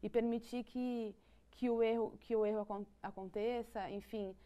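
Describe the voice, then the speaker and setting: A woman's voice: on the high side, steady tone, moderate pace, clean tone, muffled recording. A woman with a Brazilian Portuguese accent explaining psychology ideas in conversation, thoughtful, with frequent restarts and light laughs. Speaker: psychology guest.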